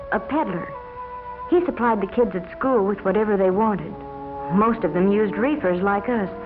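A woman's voice: mid-range voice, natural voice. An American woman playing a troubled young former addict, narrating her confession wearily in a 1950s educational film. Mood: wry, reflective. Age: young adult. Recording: muffled 1950s film soundtrack, music behind.

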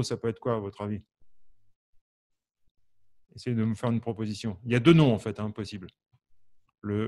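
Chatty French harmonica teacher. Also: male voice, mid-range voice, darkish tone. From Champagne, France. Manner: chatty, reads out viewers' answers by name; asks the audience questions, many fillers. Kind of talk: live online music lesson.

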